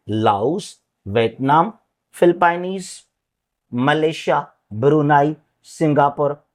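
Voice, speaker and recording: A man teaching a geography lesson, pointing along a map and repeating country and currency names, often checking in with his class. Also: a little high. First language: Sindhi.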